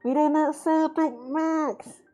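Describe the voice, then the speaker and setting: Woman doing a drive-thru speaker attendant: flat order-taking patter, a touch high-pitched. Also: slow, soft background music. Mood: deadpan. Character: female fast-food drive-through worker on the speaker. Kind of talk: comic impression on a live art stream.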